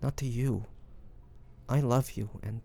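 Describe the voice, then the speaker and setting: A man playing a devoted young lover in an intimate romantic fantasy audio roleplay, speaking softly and haltingly with great affection. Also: mid-range voice, steady tone, vocal fry, a little hiss or hum. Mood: tender, earnest. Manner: soft, hesitant, affectionate, halting phrases.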